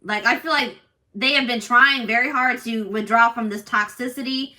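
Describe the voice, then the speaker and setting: Loud, bright, high-voiced assertive woman. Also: steady tone, moderate pace, far from the mic. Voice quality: strong, loud voice. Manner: assertive, emphatic, repetitive. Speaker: tarot reader and channel host. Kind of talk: casual intuitive tarot reading to viewers.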